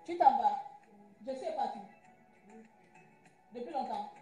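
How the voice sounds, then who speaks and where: A woman talks to her livestream audience, agitated and impulsive and struggling to keep control. Her voice is mellow and fairly high. The room is echoey, with faint music underneath. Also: animated, slow pace. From Gabon. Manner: agitated, admits she is angry and impulsive. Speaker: livestream host. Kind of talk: casual live-stream talk.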